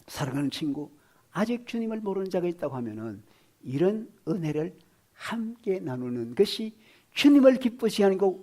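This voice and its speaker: A male pastor preaching a sermon in a fairly high voice. He swings between loud exclamations and hushed whispers and keeps asking the congregation questions.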